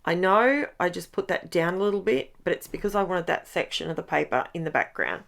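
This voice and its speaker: A middle-aged woman, chatting in a craft voice-over with a croaky voice, rambling and breaking off her own sentences. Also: lowish voice, expressive, brisk, a bit bright. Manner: chatty, rambling, self-interrupting. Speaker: scrapbooking vlogger.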